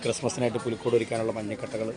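A vlogger with a Kerala accent strolls through a crowded street market, narrating in Malayalam mixed with English in a casual, eager, repetitive way. His voice is on the low side with a level tone, and he talks very fast over the market crowd's noise.

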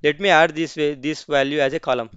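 Man walking through a software tutorial. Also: a little high, fairly even intonation, quick pace, smooth, dry recording, highs cut off. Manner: explains step by step, with many restarts and "okay, see" asides. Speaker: tutorial host. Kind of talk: screen-recorded software tutorial.

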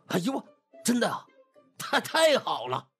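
A man's voice: high-pitched, wildly swooping pitch, a little slow, fairly bright tone, breathy edge, soft background music, voice pushed up, exaggerated voice. A man voicing a desperate, pushy butler in an audiobook, stammering and pleading in colloquial speech. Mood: excited, urging. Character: anxious, desperate, pushy male household butler.

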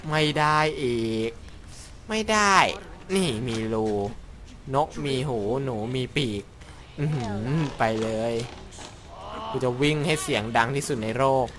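A man's voice: mid-range voice, measured pace, pauses often, fairly bright tone. A young man commentating a horror game in Thai, joking crudely, talking to himself, acting brave and yelping when startled. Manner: jokey, crude and rambling, mock-brave, yelps when startled. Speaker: gaming YouTuber.

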